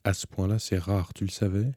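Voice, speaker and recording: A man's voice: low voice, little pitch movement, brisk, dark tone, dry recording, clean studio sound. A man reading an audiobook, voicing a blunt, teasing teenage girl who fires insistent, needling questions. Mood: mocking.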